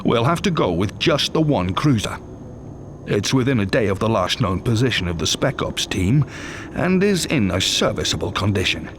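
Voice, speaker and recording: Commanding officer, animated low voice. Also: male voice, normal speed, noisy background. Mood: stern, urgent. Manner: authoritative, clipped, businesslike. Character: commanding male senior military officer, brisk, serious. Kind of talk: game cutscene acting, military status briefing.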